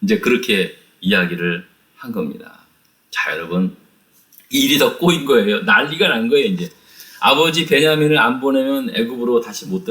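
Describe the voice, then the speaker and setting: Brief: male Bible teacher, animated storyteller, bright forceful tone, rhetorical questions. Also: medium pitch. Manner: addresses listeners directly, often laughs. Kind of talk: lively Bible study teaching.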